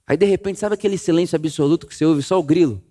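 A man preaching a sermon, telling the story vividly and swinging from loud emphasis to a hush. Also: a little high, racing. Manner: animated storytelling, acting out voices, swings between loud and hushed.

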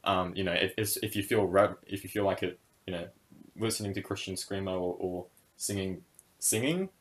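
Man, very low voice, young adult, casual podcast chat, hesitant, lots of fillers. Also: flat delivery, a little fast. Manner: thoughtful, hesitant, many fillers and restarts. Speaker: podcast co-host. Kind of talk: casual discussion.

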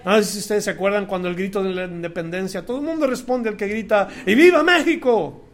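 A man preaching a sermon as pastor, calling out to the congregation and swinging from soft asides to loud, drawn-out declarations. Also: high-pitched. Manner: draws out key words, swings from soft to loud.

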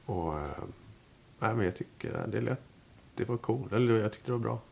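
A man's voice: lowish voice, expressive, vocal fry, darkish tone, a little hiss or hum. A man, a musician, talking casually in an interview, rambling with many fillers and restarts. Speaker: musician guest. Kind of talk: relaxed interview talk.

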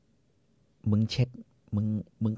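Man voicing a grumbling, teasing old lawman, lower and slower than his narration, dry sound. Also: dark tone, no echo. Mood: gruff. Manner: gruff, teasing, coarse.

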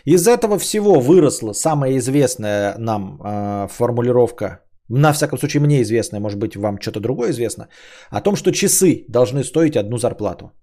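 Lively in intonation yet mellow, this mid-range male voice moves at a moderate pace. He's hosting a podcast livestream, reading donations and rambling casually with plenty of hesitations and blunt profanity.

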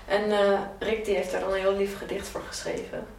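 A woman's voice: medium pitch, little pitch movement, brisk, gravelly, a little hiss or hum, lightly acted. An actress playing a tentative, accommodating young woman in love in naturalistic audio drama dialogue. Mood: hesitant explaining. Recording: echoey, distant, loud music behind.

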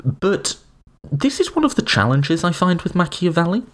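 A man's voice: high-pitched, very animated, normal speed. A man hosting a podcast, explaining political philosophy in a conversational lecturing way with wry asides. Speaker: podcast host.

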